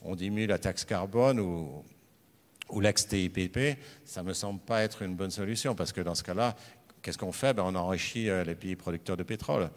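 Deep-voiced man on a panel. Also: moderate pace. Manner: hesitant, restarting his sentences. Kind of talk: conference panel talk. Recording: reverberant conference hall.

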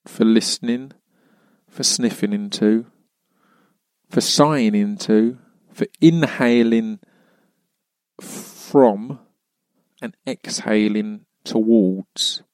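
A man's voice: on the low side, darkish tone, no room sound. A British man hosting a podcast, chatting casually in a rambling, self-deprecating way. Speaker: podcast host. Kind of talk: casual chat.

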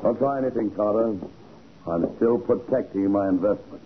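An actor playing a cool, menacing gambler, tough, sardonic and slangy, in a 1940s radio crime drama. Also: male voice, fairly low pitch, moderate pace, phone-quality sound, natural voice. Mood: cool menace. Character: cool menacing male gangster gambler with a revolver. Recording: noisy old 1940s radio recording.

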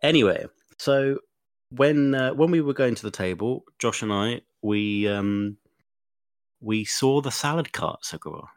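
A man's voice: medium pitch, animated, a little slow, no room sound, studio quality. A man co-hosting a podcast, telling rambling stories full of fillers and sounding a bit sniffly. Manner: rambling, chatty storytelling with many fillers. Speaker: podcast co-host. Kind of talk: casual chat.

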